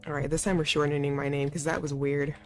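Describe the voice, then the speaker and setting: This woman talks fast in a low register with little pitch movement, faint music behind her. She's doing casual let's-play commentary on a visual novel, reading its lines aloud and musing in a loose, joking, slangy way.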